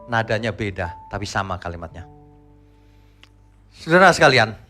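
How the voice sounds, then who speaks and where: Bright-voiced preacher. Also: male voice, on the low side. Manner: emphatic, swings from soft asides to loud exhortation; chants a short worship phrase slowly. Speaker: pastor. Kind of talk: sermon.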